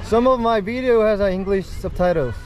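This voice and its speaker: Late-20s Korean travel vlogger, high animated voice, Korean accent, outdoor noise on an action cam. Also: male voice, brisk, rough recording. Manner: friendly, laughs often, simple English. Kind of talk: casual chat with strangers. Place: outdoors on a beach and a town street. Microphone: action camera, no separate mic.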